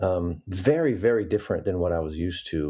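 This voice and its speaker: On a very clean recording with a silent background, a man with a very deep, low voice and a dark, mellow tone speaks at a moderate pace, somewhat breathy, with ordinary pitch variation. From US Midwest and Los Angeles; born in Iran. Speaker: animation industry executive. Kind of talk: interview conversation. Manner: halting, many fillers and repetitions.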